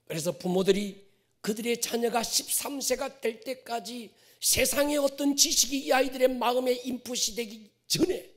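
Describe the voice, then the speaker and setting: A male pastor preaching a sermon to his congregation, swinging from loud stressed phrases to whispered endings and drawing out key words. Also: very high-pitched. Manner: addresses the congregation directly, drawn-out stressed words.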